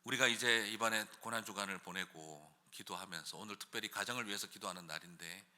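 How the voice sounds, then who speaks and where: A man preaching a dawn sermon as pastor, moving from soft musing to loud pleading shouts and asking the congregation rhetorical questions. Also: on the low side, fast talker, big-room sound. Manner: swings from quiet musing to loud impassioned shouting. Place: church sanctuary.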